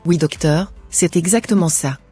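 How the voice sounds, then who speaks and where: A man's voice: fairly high pitch, moderate pace, husky. A man voicing a young Christian woman who is considering cosmetic surgery, speaking in an earnest, plain-spoken way in a cartoon. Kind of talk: amateur cartoon voice acting. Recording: soft music underneath.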